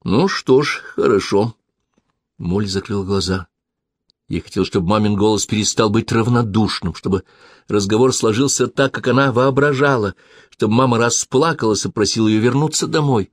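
A man narrating an audiobook in a measured, even reading voice. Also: fairly low pitch, no echo. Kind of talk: scripted narration.

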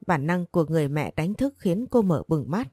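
A woman reading a story aloud in a steady, scripted narration. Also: on the low side, a little fast, slightly rough, dry recording. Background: faint music.

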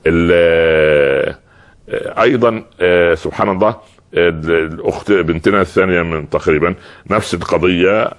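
A man with an Egyptian accent hosting a religious call-in show, answering callers in a gentle, fatherly way. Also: sits low. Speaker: host.

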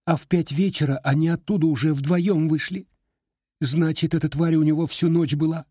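A man's voice: a little high, fairly even intonation, moderate pace, warm tone, breathy edge, no echo, clean studio sound, pitched above the performer's own voice. A man voicing a tearful, heartbroken young woman who speaks in a whiny, pleading way while crying. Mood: despairing.

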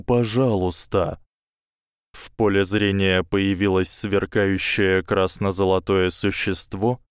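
A man narrating a fantasy novel as an audiobook in slow, measured storytelling. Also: deep voice, clean tone, no echo, clean studio sound. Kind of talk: scripted narration.

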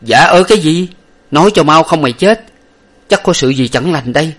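A man doing a hot-headed young gentleman. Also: mid-range voice, expressive, moderate pace, voice pushed up, natural voice. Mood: demanding, angry. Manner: loud, demanding. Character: hot-tempered young gentleman, returning scholar.

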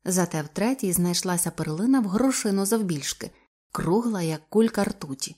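Woman narrating a novel, steady even reading, mid pitch. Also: moderate pace. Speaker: audiobook reader. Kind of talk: literary audiobook narration.

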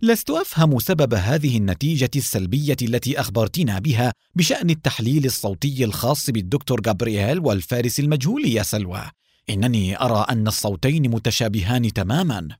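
A puzzled male teammate questioning a result, read by a man. The storybook reading is dry and close, with lively pitch. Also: fast talker, husky, no echo. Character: puzzled male team member.

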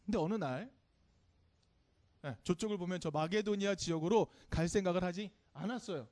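A man with a high voice tells a children's sermon in church. His storytelling is plain and friendly, and he keeps turning to the congregation with questions. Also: fairly quick, darkish tone. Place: church service.

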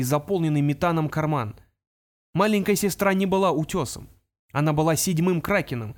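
A man narrating a fantasy adventure audiobook in a steady, dramatic storytelling manner. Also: on the high side.

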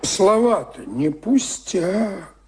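A man's voice: high-pitched, big pitch swings, very slow, very noisy, full character voice. An actor playing Death as a gleeful, menacing bony old mother in a rhymed radio folk tale, with sing-song, mocking delivery. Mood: gleefully macabre.

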